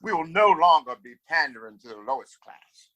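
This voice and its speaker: A man's voice: on the high side, expressive, moderate pace, bright, forceful tone. A man playing a domineering, scornful wealthy father and town boss in a Western audio play, condescending and commanding. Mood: haughty.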